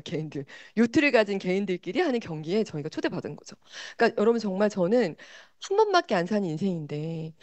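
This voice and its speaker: A woman giving a motivational sales seminar talk, animated and constantly turning to the audience with rhetorical questions. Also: mid-range voice, no room sound. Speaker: business seminar presenter.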